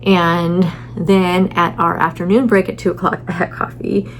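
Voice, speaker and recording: A woman's voice: fairly low pitch, little pitch movement, moderate pace, slight background noise, poor audio. A middle-aged woman chatting casually in a vlog from a hotel room, rambling with many fillers, tired and a little stuffy. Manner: rambling, lots of fillers and restarts. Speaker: vlogger.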